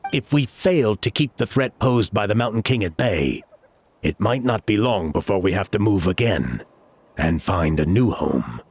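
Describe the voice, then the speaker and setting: An earnest tribal elder in a video game. His voice sits low but moves with a lively rise and fall. He talks in a measured, sincere way. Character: earnest male tribal elder recruiting a hero. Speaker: village elder.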